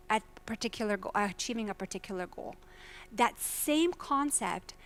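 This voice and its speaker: A woman's voice: on the high side, a bit bright. Earnest woman from Croatia presenting. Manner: earnest, asks the audience questions. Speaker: faculty presenter. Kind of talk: conference keynote talk. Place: lecture hall at a business summit.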